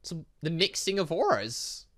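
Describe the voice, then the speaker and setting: A man giving animated let's play commentary on a story game, reacting out loud with exclamations. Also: fairly high pitch, unhurried. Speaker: gaming channel host.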